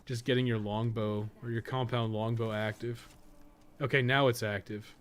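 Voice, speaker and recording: Steady in tone and moderate in pace, this man's mid-range voice carries casual, reflective gameplay commentary. He co-hosts a podcast and writes game guides, often asking himself questions and trailing into digressions.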